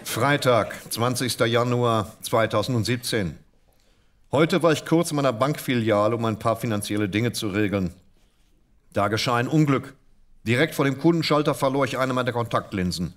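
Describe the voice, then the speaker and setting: Man dryly reading comic diaries. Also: mid-range voice. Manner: dry, measured reading that builds to punchlines. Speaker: co-host reading comic literature.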